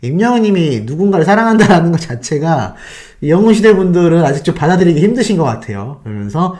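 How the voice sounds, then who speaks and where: Man, channel host, animated storytelling, somewhat high voice, rhetorical questions. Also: quick pace. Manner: excitable, asks the audience rhetorical questions.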